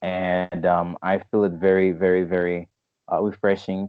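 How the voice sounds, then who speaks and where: Speaking at a moderate pace, a man with a Haitian accent has a very deep, low voice. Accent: Haitian Creole-accented English. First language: Haitian Creole. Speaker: polyglot YouTuber, language teacher. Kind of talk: casual interview. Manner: halting, many fillers.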